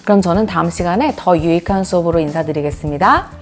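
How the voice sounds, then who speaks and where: A woman teaching an English lesson in Korean, encouraging learners and repeating drill sentences slowly. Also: fairly low pitch, soft background music.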